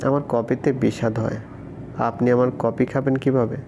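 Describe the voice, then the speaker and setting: A man reading the lines of a shy but feisty young woman in a romance audio story, with indignant, stammering retorts in a gravelly voice. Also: mid-range voice, flat delivery, moderate pace, mellow, a little hiss or hum, lightly acted.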